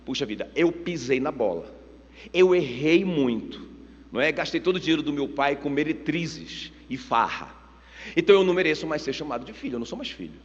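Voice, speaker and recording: A man's voice: expressive, brisk, close to an everyday voice. A Brazilian man preaching, voicing an ashamed young son who begs his father for work, in a muffled hall with long reverb. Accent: Brazilian Portuguese. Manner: low, self-pitying mutter.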